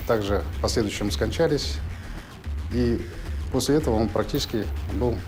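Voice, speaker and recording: A man giving a formal interview account as an official, speaking haltingly in bureaucratic phrases. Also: medium pitch, a little mellow, faint music behind. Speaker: official interviewee on a criminal case.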